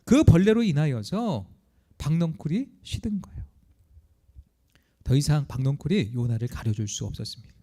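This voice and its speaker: Male pastor, sermon, high voice, mellow tone, animated storytelling. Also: moderate pace, pauses often.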